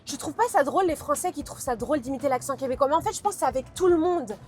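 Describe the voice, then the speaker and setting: A woman's voice: sits high, lively intonation, rapid-fire, soft background music. A young woman chatting casually, frank and opinionated. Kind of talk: casual chat.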